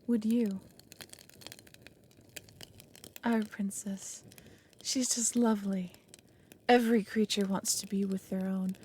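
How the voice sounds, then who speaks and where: Casting: a woman acting ancient female dragon, proud, brooding foster mother. Creaky voice, solemn delivery, fantasy audio drama, faint noise behind. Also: mid-range voice, dark tone. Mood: tender, sorrowful. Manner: solemn, speaks of herself as "we".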